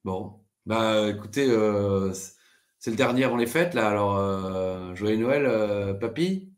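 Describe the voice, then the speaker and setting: A man's voice: lowish voice, takes it slowly. A man hosting a comedy podcast sketch, the exasperated straight man with dry put-downs. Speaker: podcast host.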